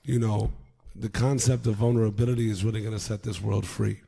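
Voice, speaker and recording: A man's voice: fairly low pitch, fairly even intonation, fairly quick, vocal fry, mellow, breathy edge. A man hosting a casual podcast interview, earnest and swearing freely, with hype-man energy. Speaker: podcast host.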